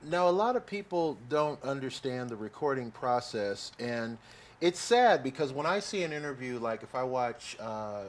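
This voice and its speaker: A man hosts a radio interview, asking long, winding questions in an easygoing, chatty manner. His voice sits at a middle pitch, with a faint hiss behind it. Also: big pitch swings, moderate pace. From Kansas City. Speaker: radio show host. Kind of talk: casual interview chat.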